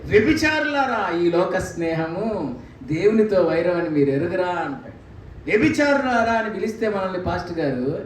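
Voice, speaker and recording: A man preaching a sermon in a church, speaking animatedly with rhetorical questions and acted quotes. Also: sits high. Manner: animated, mimics scripture voices, rhetorical questions. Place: church hall. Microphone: handheld mic. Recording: echoey church room, distant mic, faint noise.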